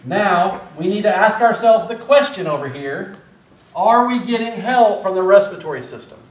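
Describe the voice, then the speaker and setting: A middle-aged man lecturing through a face mask in a large, echoey classroom, picked up by a camera well across the room. His voice sits a little high for a man, and he keeps things casual and self-deprecating, tossing questions to the students. A faint hiss lies under the recording. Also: expressive, moderate pace, distant mic. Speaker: respiratory therapy instructor. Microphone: far camera.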